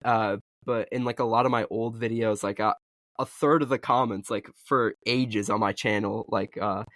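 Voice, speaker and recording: A young man in a casual podcast chat, his voice sitting a little low. He talks in loose, halting runs packed with "like" and "uh". The sound is dry and close, with no room in it. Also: fairly even intonation, fairly bright tone, dry recording. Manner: halting, filler-heavy, lots of "like". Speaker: podcast co-host and video creator.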